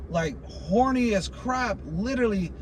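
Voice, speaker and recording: Male speech with audible room echo and noticeable background noise. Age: 20s. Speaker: vlogger. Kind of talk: casual vlog monologue. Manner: rambling, distracted.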